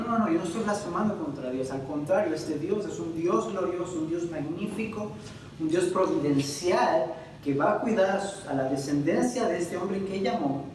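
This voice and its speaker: A Puerto Rican man teaching a Bible lesson like a sermon, his somewhat high voice rising into loud stresses and sinking into slow, drawn-out words. He puts questions straight to his listeners. He is recorded from some distance in a very echoey room, with faint noise underneath. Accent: Puerto Rican Spanish. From Puerto Rico. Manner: addresses the audience directly with questions. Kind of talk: Bible class lecture, preaching style.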